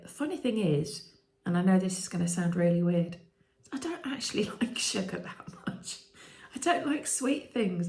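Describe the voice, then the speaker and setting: A British woman in her fifties, vlogging candidly with many ums and restarts and a voice that turns croaky at times. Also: on the low side, darkish tone. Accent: British English. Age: 50s. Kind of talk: candid personal vlog. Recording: echoey room.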